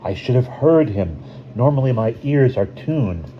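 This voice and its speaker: Man as a concerned tribal woman, pitched up. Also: expressive, unhurried, close to an everyday voice. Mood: self-reproachful, worried. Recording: dull lo-fi recording, faint hiss.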